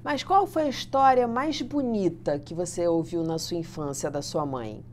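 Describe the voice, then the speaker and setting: A woman's voice: lowish voice, animated, moderate pace, a little mellow, slight background noise. A woman interviewing a guest in a studio, affirming his answers and asking follow-up questions.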